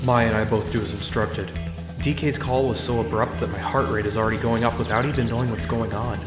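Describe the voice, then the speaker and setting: A man acts a mild, observant young man telling his own travel story. His pitch is average for a man. The audio drama sound is roomy and echoing, with clear music behind him. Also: steady tone, a little fast, close to an everyday voice. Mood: tense. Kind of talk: first-person audio drama narration.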